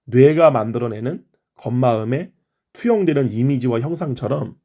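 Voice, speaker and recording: A man's voice: medium pitch, warm tone. A middle-aged man from Chungcheong, Korea, leading a morning prayer and explaining his sermon in an earnest, teaching way. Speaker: pastor.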